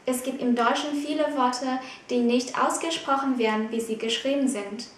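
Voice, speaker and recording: A woman from Vietnam teaching German pronunciation, saying each word slowly and clearly between quick explanations. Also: high-pitched, very echoey, recorded from a distance, slight background noise.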